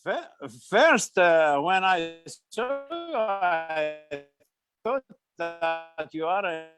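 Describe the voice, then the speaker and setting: An older man with an Iraqi accent, a retired English teacher, introducing himself haltingly with long hesitations in an online group lesson. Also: high-pitched, expressive, music in the background. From Iraq.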